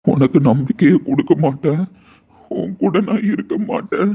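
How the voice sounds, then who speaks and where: A man's voice: on the high side, normal speed, vocal fry, husky. A man playing a cold, resigned young lover over a tinny line. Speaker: lead character in an audio drama. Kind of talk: emotional Tamil audio-drama acting. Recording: tinny phone-like sound.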